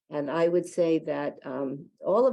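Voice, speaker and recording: Her voice has a dark, mellow tone, and this woman speaks at a fairly low pitch. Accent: American. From New Jersey. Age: 80s+. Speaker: community leader and arts patron. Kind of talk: interview. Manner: halting, many fillers.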